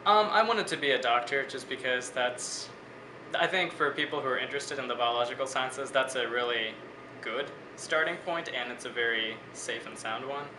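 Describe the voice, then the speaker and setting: A man in his twenties from Bangladesh talks through his studies as an interviewee, thoughtful and well-spoken. His voice sits at an ordinary middle pitch. The room rings with echo, and an air conditioner hums clearly behind him. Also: normal speed. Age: 20s. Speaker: interviewee, biology student. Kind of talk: casual interview answers. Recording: echoey room with steady air-conditioning hum.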